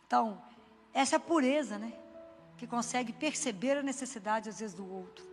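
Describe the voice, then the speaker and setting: A woman's voice: fairly high pitch, brisk. Older woman giving a devotional talk. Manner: conversational storytelling, acting out quoted voices. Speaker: Christian inspirational speaker. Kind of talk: spoken devotional message. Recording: long hall reverb with soft background music.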